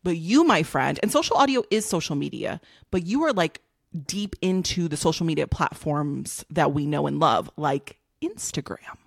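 A woman's voice: deep voice, lively intonation, moderate pace, vocal fry, no room sound, studio quality. Bubbly podcast co-host, a woman. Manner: bubbly, laughs often. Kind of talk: casual chat.

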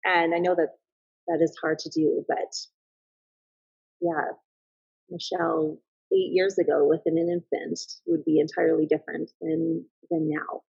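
Somewhat low, thoughtful woman in her thirties whose voice is deeply breathy and raspy. She talks earnestly and often circles back mid-sentence. The sound is dry and a little dull, like a lo-fi podcast mic. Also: little pitch movement, unhurried, a little mellow, dry recording. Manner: thoughtful and earnest, with frequent restarts. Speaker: podcast guest, mother and business owner. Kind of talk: casual reflective interview talk.

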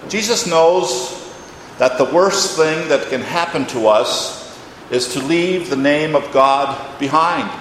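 Speaking slowly in a slightly high, fairly bright voice, a retired pastor, an older man, prays and reads a sermon in solemn, emphatic tones. It's a church service, captured in an echoey hall with long reverb and some faint noise.

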